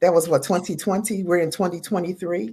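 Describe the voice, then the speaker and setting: A woman with an American accent has a dark, mellow tone and sounds somewhat breathy. The background is quiet. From Philadelphia, US Northeast. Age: 60s. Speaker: chef. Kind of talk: radio interview. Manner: animated.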